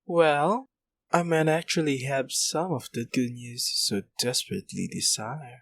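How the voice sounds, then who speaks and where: Casting: male actor as formal hospital doctor, mid-pitched voice, clinical and wordy, audio roleplay. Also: unhurried, gravelly, no echo. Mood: formal, measured. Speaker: guest voice actor.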